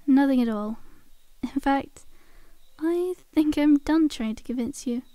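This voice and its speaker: A woman's voice: high-pitched, a little slow, dark tone, dry recording. A woman playing a cheeky, cajoling undead zombie girl in an ASMR roleplay, with a casual, teasing, conversational delivery. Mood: smug, teasing.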